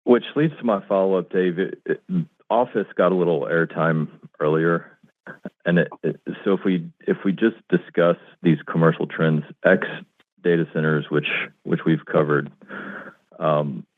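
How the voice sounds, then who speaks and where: Male analyst, low and husky voice, polite questioning style, thin telephone audio. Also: fairly even intonation, normal speed, dry recording. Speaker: financial analyst asking questions. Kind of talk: polite earnings call questioning. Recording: dry, tinny narrowband phone line.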